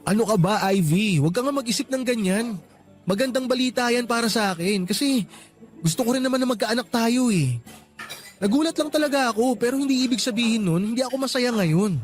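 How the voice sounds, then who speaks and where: A man with a Filipino accent acting as an affectionate, easygoing boyfriend in a radio romance drama, speaking in a conversational, expressive way. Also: very high-pitched, brisk, soft background music. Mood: reassuring, happy.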